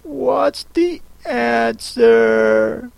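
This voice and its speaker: A man's voice: very high voice, creaky, no room sound, voice pushed up, heavily acted. A man doing a polite, puzzled little girl. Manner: polite, cautious, soft and slow.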